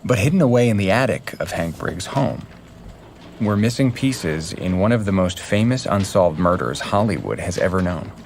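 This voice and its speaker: An actor playing an earnest podcast journalist, narrating a true crime documentary in a measured, serious way. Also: male voice, low voice, animated. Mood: measured, explanatory.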